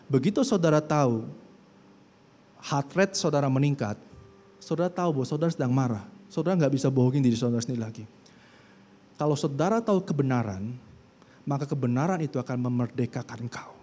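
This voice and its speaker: A man delivers a sermon in a church hall with a long reverb trailing his words. He speaks in an easy, conversational way and slips into the voices of people in his stories. When he reads scripture, he gets much louder. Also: medium pitch. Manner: conversational, acts out quoted speech, rises to loud scripture reading. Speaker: pastor.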